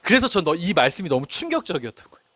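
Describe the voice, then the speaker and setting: A man's voice: on the high side, huge pitch swings, racing, a bit bright, no room sound. A middle-aged male pastor preaching a sermon, telling a story and asking the congregation questions. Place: church.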